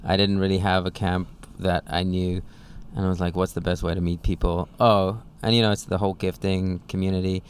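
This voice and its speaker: A man with a very low voice explains his school in long, run-on sentences, keeping his pitch flat. It is relaxed podcast talk. Faint noise sits underneath. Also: a little fast, few pauses. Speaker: co-founder of a music school. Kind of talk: casual podcast chat.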